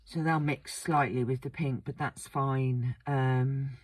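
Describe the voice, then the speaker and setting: A woman with a croaky, slightly sore-throated voice talks through a wax seal craft demonstration in a relaxed, rambling way. Her pitch stays flat and level, and she fills pauses with frequent ums. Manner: relaxed, chatty, many ums. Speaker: craft channel host.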